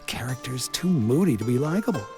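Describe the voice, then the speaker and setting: An actor voicing a sardonic, wisecracking village doctor and coroner in a video game, with a theatrical delivery. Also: male voice, mid-range voice, expressive, brisk, darkish tone, faint music behind, natural voice. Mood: sarcastic. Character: sarcastic village doctor and coroner, self-styled man of science. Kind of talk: video game character acting.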